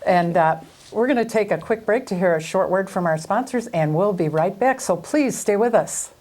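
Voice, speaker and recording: Mellow American woman hosting local television. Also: medium pitch, normal speed. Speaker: local TV show host. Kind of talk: interviewing and reading community announcements.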